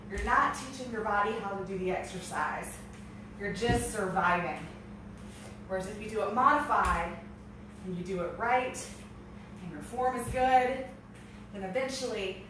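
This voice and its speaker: A woman coaching a workout as an aerobics instructor, with peppy encouragement and audible exertion in her breathing. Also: mid-range voice. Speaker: aerobics and strength instructor leading a home workout. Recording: echoey room, distant mic, noisy.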